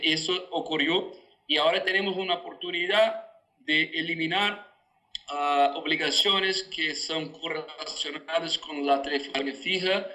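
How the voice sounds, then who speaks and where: A Brazilian man, a native Portuguese speaker, answers formally as an interview guest in halting Spanish mixed with Portuguese. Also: a little high, bright, forceful tone, rough recording. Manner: halting, searching for words. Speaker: telecom regulator, interview guest.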